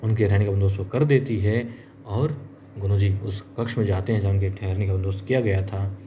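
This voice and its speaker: Over a noisy background, a man with a lowish, steady voice talks a little fast as he retells a TV serial episode. His storytelling recap is casual and friendly, addressing viewers as friends and acting out what the characters say.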